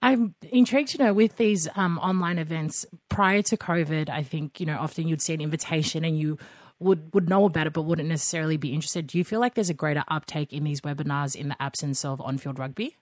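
Low-voiced woman radio interviewer. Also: quick pace, a little mellow, no echo, clean studio sound. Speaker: radio co-host.

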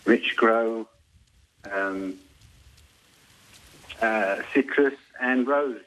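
A man's voice: lowish voice, drawn-out words, fairly bright tone, poor audio. A man calling a radio show, asking casually and answering in brief, hesitant phrases. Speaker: radio phone-in caller. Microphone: telephone.

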